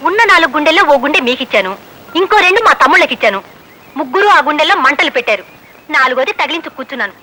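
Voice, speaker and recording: An actress playing a defiant woman who answers back with quick, cheeky retorts. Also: sits high, very animated, pushed and bright, exaggerated voice, poor audio.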